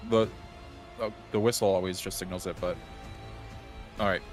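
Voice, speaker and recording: A man with a very deep voice plays a tabletop game, working out his moves aloud with frequent ums and pauses. Faint music plays in the background. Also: steady tone, a little mellow. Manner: thinking aloud with many ums. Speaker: player.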